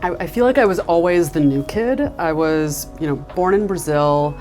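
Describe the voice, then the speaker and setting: A woman with a low, deep-set voice speaks as a marketing executive in an interview. She sounds enthusiastic and uses plenty of casual fillers. Faint music plays behind her. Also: normal speed, darkish tone. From United States. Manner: enthusiastic, fillers like "you know" and "like".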